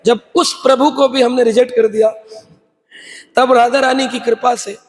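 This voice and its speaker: A man giving a devotional sermon in a temple hall, emphatic, asking rhetorical questions and breaking into sung verses and loud chanting. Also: very high-pitched, steady tone, normal speed. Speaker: preacher. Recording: long hall reverb.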